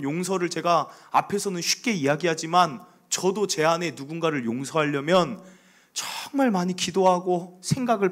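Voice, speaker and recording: Animated, lively male pastor preaching. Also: high voice. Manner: animated preaching with rhetorical questions and chuckles. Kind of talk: sermon.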